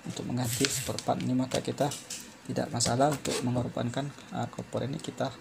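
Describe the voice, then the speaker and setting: A man talks through a practical repair in a halting, step-by-step way. His mid-pitched voice is creaky and stays very even in tone. There is faint noise behind him as he speaks. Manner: halting, step-by-step explaining with frequent repetition. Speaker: phone repair tutorial presenter. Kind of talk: unscripted hands-on repair tutorial.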